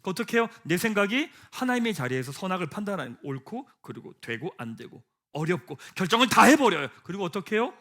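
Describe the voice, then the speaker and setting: A man's voice: high-pitched, very animated, quick pace, hardly any pauses. A man preaching a sermon as pastor, asking the congregation rhetorical questions and leading them in reading scripture aloud. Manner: rhetorical questions, swings from hushed to emphatic. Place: church sanctuary.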